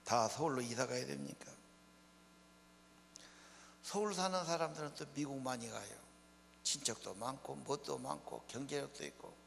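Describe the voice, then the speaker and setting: A man's voice: medium pitch, normal speed, creaky, long pauses, a bit bright. An older man, preaching a sermon in a folksy way, asking the congregation questions. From Honam region of Korea. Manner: folksy preaching, plain speech mixed with rhetorical questions. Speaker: pastor. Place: church hall. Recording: church hall reverb, mains hum.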